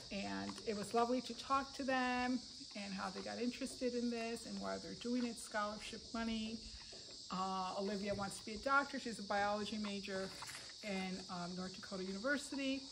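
A woman talks at a moderate pace with ordinary pitch variation. Background noise is noticeable. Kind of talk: casual vlog chat. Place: open country.

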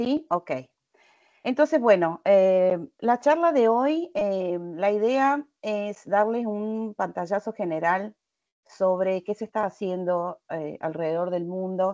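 A woman speaks very slowly in a dark, mellow tone with lively intonation. The background is quiet. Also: medium pitch for a woman. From Argentina. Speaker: guest speaker on scholarly publishing; guest. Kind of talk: presentation. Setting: video call. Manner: hesitant, many fillers. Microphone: video call.

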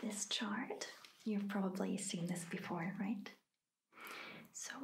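A soft-spoken woman's voice, somewhat breathy and gentle in tone, with fairly even intonation. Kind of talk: role-play exam talk to viewer. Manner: soft-spoken, gentle ASMR voice. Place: home room.

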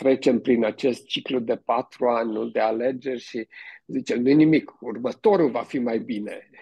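In a normal speaking voice, the speaker goes at a fairly slow pace with fairly even intonation. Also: man. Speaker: panel guest. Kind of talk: panel discussion.

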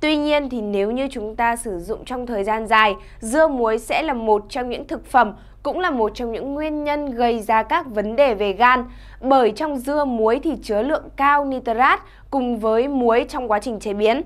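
Her voice is high for a woman, and its pitch moves in an ordinary way. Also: moderate pace. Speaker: presenter. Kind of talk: informational presentation. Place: studio.

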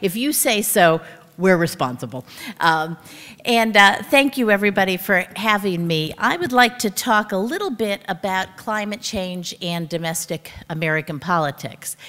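A woman at a moderate pace with a bright, sharp tone. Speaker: speaker. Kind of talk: speech. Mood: warm, lightly humorous. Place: hall. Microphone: podium.

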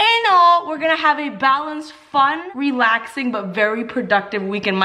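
A woman speaks in a raised, projected voice at a fairly quick pace. Light noise sits in the background. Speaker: vlogger. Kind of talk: casual vlog chat. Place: home room. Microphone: phone near.

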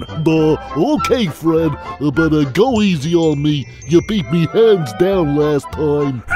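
Clear music plays in the background as a man performs a cartoonish character voice. His pitch is fairly high and his pace fairly slow. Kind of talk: cartoon character voice demo. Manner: hesitant.

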